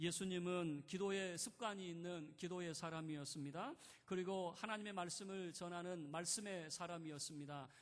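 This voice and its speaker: High male speech with fairly even intonation in audible room echo. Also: moderate pace. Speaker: pastor. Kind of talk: sermon. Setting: church. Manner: loud and forceful when preaching.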